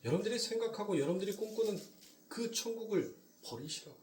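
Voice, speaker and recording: Animated preacher with a Jeolla accent. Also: male voice, sits high, quick pace, roomy sound, far from the mic. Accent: Jeolla Korean. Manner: animated, swings from loud emphasis to near whispers. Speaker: pastor. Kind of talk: sermon. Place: church sanctuary.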